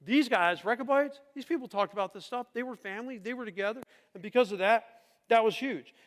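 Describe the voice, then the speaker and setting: A man's voice: extremely high pitch, fairly quick. A middle-aged male pastor giving a conversational sermon, emphatic and often asking the congregation rhetorical questions. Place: church sanctuary. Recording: long reverb of a church hall.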